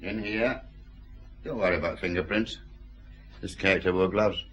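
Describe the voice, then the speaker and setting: An actor playing a methodical police forensic officer who explains evidence plainly, in a radio drama. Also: male voice, low voice, fairly even intonation, moderate pace, a bit bright, lo-fi sound. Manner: matter-of-fact, explaining.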